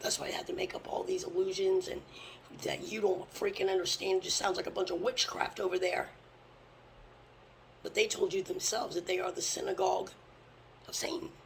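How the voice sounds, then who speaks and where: Gravel-voiced scripture preacher, mid-pitched, blunt and fervent, slips into whispers; faint hiss underneath. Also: steady tone, brisk, rough recording. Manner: intense, often drops to a hushed whisper; blunt, with occasional swearing. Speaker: religious teacher.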